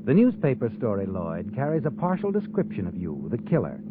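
Sly, ominous old-time radio narrator. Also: male voice, lowish voice, huge pitch swings, fairly quick, noisy background. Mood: ominous, taunting. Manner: insinuating, taunting tag questions. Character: sly, ominous male narrator taunting a guilty man. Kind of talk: 1940s radio drama narration in second person. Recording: tinny vintage radio broadcast. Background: dramatic music.

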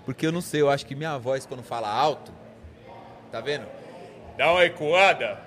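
Soft-spoken joking São man. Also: mid-range voice, quick pace. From São Paulo, Brazil. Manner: soft-spoken, joking, drops his volume. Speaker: podcast host. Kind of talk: casual podcast chat.

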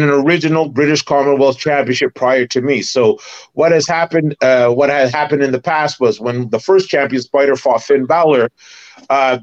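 A middle-aged man from Barbados, a former wrestler and promoter, recalling his career in an animated, detailed way as a podcast guest. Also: on the high side, dull audio. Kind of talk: casual interview storytelling.

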